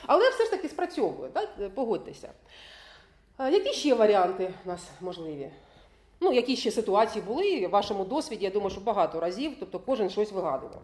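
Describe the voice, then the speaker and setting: A woman's voice: medium pitch, sing-song, fast talker, darkish tone. A woman giving a lecture to parents, often laughing and checking that listeners follow along. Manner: keeps checking in with the audience; laughs often while talking.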